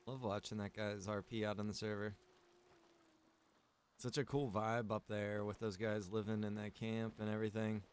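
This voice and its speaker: A man's voice: lowish voice, flat delivery, moderate pace. A man giving casual, chatty commentary while he plays a game, thinking aloud in a laid-back way. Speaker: game streamer. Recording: clear background noise.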